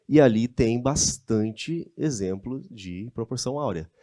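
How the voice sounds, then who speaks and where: In a church-hosted talk with slides, a Brazilian Portuguese-accented man lectures conversationally and keeps asking his listeners rhetorical questions. His medium-pitched voice is warm and animated yet a little slow, captured in clean studio sound without any room noise.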